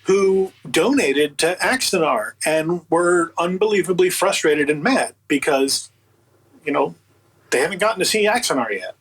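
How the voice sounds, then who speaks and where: A man with a slightly high, husky voice is a guest in an interview. He tells his story in a casual, conversational way, acting out both sides of remembered exchanges with an incredulous, sardonic edge. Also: moderate pace, rough recording. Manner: animated retelling with acted-out quotes, incredulous and sardonic. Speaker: interview guest, audio book producer.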